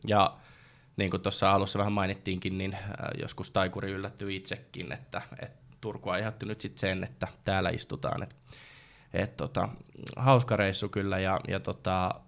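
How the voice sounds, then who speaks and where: A man's voice: low-pitched, flat delivery, gravelly, fairly bright tone. A man on a fan panel, chatting casually and hesitantly about a trip. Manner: hesitant, many fillers. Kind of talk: casual chat.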